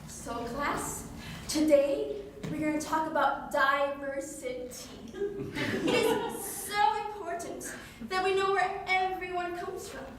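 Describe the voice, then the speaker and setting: Woman doing a patronizing nosy questioner, high voice, echoey distant stage recording. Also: takes it slowly, a bit bright, a little hiss or hum. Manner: prying, awkward, patronizing. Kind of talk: stage performance clip.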